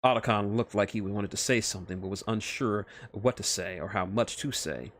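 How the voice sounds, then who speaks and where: A man's voice: fairly low pitch, a little fast, fairly bright tone. A man narrating fan fiction live on a stream, now and then stumbling and rereading phrases.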